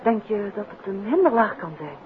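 A woman acting a detective's wife in an old radio play. She speaks at a medium pitch, probing and wryly teasing her husband. The sound is dull and a little noisy, like vintage broadcast audio. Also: big pitch swings, a little fast, close to an everyday voice. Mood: curious, teasing. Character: inquisitive, gently needling detective's wife. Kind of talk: 1950s Dutch radio drama acting. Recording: muffled, noisy 1950s radio recording.

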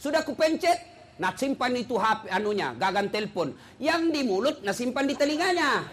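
A middle-aged man preaching a humorous sermon, teasing the crowd and breaking into shouts. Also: very high-pitched, animated, a little fast, slight background noise. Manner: joking, teasing, storytelling, bursts of shouting.

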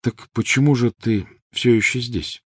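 A man's voice: mid-range voice, steady tone, a little slow, breathy edge, dry recording, studio quality, voice pushed up. A man reading an audiobook voices a weary, cold-tempered teenage boy wizard. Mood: tense. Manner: cold, clipped, angry.

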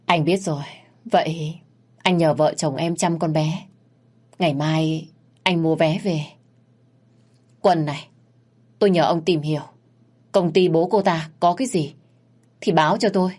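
A woman voicing a grieving, determined father who speaks tersely and in a measured way. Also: low-pitched, steady tone, darkish tone. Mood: resolute.

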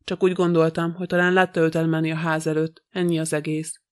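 A man voicing a polite, fussy elderly detective in a flat, even reading. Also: fairly high pitch, natural voice. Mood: courteous.

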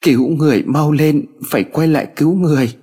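A man voicing a frightened, hysterical young woman patient with a shrill, pleading voice. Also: fast, mellow, husky. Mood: panicked.

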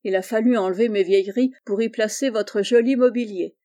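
A woman's voice: mid-range voice, steady tone, brisk, mellow, close to an everyday voice. A woman reading the part of a talkative, bustling middle-aged mother-in-law. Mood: chatty.

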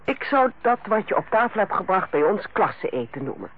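Actrice als zure, snel gekrenkte tante, blikkerige opname. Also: female voice, medium pitch, big pitch swings, brisk, close to an everyday voice. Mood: critical. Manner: curt, martyred, sarcastic. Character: sour, easily offended visiting aunt, a nurse. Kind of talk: Dutch radio play acting. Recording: tinny, noisy old radio recording.

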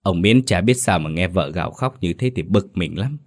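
A man narrating a scripted ghost story in a steady, even manner. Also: low-pitched, normal speed.

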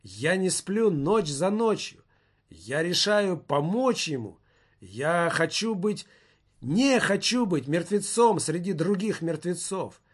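A man's voice: sits high, sing-song, slow, exaggerated voice. A man voicing a frightened, whining male festival director who moans and pities himself. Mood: self-pitying. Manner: whining, moaning, self-pitying.

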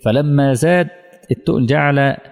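A man preaching a sermon with an Egyptian Arabic accent, emotional and emphatic, slowing down and dropping to hushed tones. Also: mid-range voice, gravelly. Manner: emotional, slow emphatic preaching that drops to near-whispers. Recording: long hall reverb.

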